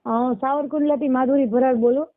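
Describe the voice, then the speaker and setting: A 29-year-old woman with a Saurashtra Gujarati accent phones for help, pleading as she explains her situation. Her voice sits high, with fairly even intonation and a brisk pace. The call recording is dull and lo-fi.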